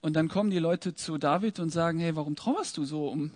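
A man's voice: on the high side, a little fast, a little mellow. A man teaching from the Bible, reading verses aloud and then retelling them in casual words with questions to his listeners. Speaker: preacher.

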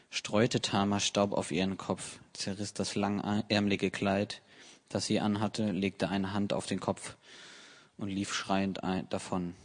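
Man reading scripture aloud, low voice. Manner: steady, measured reading with small restarts. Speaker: Bible reader. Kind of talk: plain Bible reading.

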